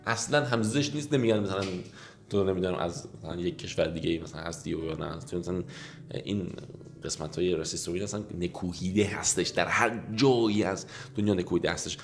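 A man teaching an English lesson in Persian, explaining and slowly repeating English phrases. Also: sits low. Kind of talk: language lesson.

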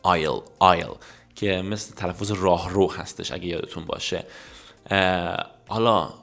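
A man teaching an English lesson, repeating English phrases slowly and then explaining them in Persian, his native language. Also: low-pitched, gravelly, a bit bright, faint music behind.

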